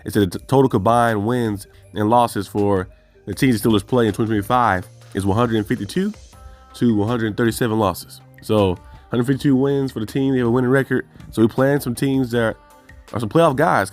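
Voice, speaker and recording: A man's voice: medium pitch, a little mellow. A man hosting a fan channel, talking through team news in a loose, rambling way and correcting himself as he goes. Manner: rambling, thinks aloud, self-correcting. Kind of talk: casual solo sports commentary.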